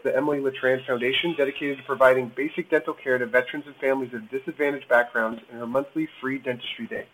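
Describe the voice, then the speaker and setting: A man's voice: a little high, slight background noise, poor audio. A man hosting a podcast, upbeat and eager as he introduces and questions his guest. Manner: upbeat, eager and quick-talking. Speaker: podcast host. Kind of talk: podcast interview and promo outro.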